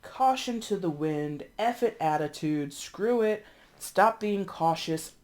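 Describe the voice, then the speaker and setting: A congested, sniffly tarot reader in their thirties talks through a reading in a loose, chatty way. The delivery is blunt, with casual swearing, and key words get repeated for punch. The pitch sits in an unremarkable middle range. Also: lively intonation, slow, darkish tone.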